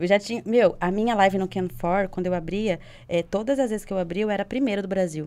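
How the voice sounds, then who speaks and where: In a rural Brazilian accent, a woman talks at a very fast pace. Her voice sits at a medium pitch with ordinary pitch variation and a dark, mellow tone. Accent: Brazilian countryside accent with strong R. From interior of Brazil. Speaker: adult content creator; podcast guest. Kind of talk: casual chat. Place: studio. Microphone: studio mic.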